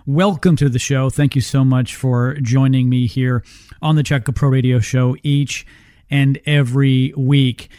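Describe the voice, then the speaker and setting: A middle-aged man hosting radio in an infomercial-style sales pitch, asking rhetorical questions and repeating details for the listener. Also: flat delivery, unhurried, mellow, no echo, studio quality. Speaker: radio show host and ad reader. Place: radio studio.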